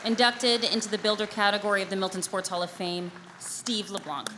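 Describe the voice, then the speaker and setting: A woman presenting a ceremony, projecting in a booming, formal stage-announcer delivery. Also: steady tone, quick pace.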